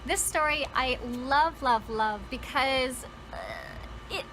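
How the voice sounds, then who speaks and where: A woman's voice: high voice, slow, pushed and bright, a little hiss or hum, low-quality recording. A woman talking casually and enthusiastically to viewers as a book vlogger, conversational and leaning on words for emphasis. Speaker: book vlogger and storytelling channel host.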